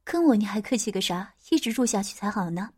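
A woman's voice: mid-range voice, expressive, quick pace, darkish tone, slightly rough, voice pushed down. A woman voicing a brash middle-aged woman who talks bluntly and coarsely, as she reads an audio story. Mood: friendly. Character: brash middle-aged woman, foul-mouthed big sister.

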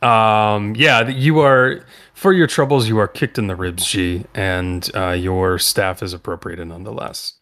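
A man narrating a tabletop role-playing session as game master, unhurried and full of filler sounds. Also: fairly low pitch, steady tone, a bit bright.

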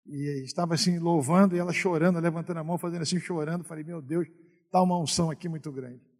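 A middle-aged Brazilian man preaching a sermon as a pastor, telling stories and moving from quiet asides to loud exhortation. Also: a little high, steady tone, fast talker, gravelly, in a large hall. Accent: Brazilian Portuguese.

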